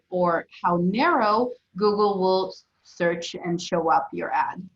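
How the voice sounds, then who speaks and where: A woman with a Southern US accent teaching a live class in a casual way, with many fillers and restarts. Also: on the low side. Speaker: instructor. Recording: echoey, muffled room sound.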